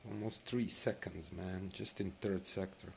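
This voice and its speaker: Man, casual game commentary, gravelly fry, drawn-out delivery. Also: low-pitched, steady tone, a little hiss or hum. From Bosnia and Herzegovina. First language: Bosnian. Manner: laid-back, musing aloud to himself. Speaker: mobile game streamer.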